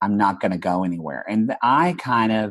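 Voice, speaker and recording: A man with an American accent talks at a moderate pace and fairly low pitch, with ordinary pitch variation. He has an ordinary speaking voice, and the background is quiet. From US South. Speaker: therapist, actor, podcaster, activist. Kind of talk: interview answer.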